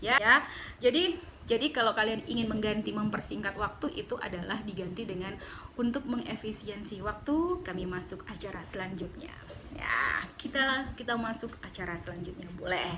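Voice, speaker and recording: A woman's voice: mid-range voice, lively intonation, normal speed, noisy background. A woman giving a casual lesson on correct MC phrasing, chatty and corrective with teasing asides. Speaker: public speaking teacher. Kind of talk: casual instructional talk.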